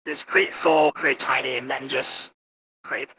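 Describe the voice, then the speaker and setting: A man casually walking through software, his voice turned gritty and grating by an AI voice changer. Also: mid-range voice, steady tone, unhurried, background noise. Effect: AI voice changer with screamy character model. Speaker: host demonstrating voice models. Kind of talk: casual live software walkthrough.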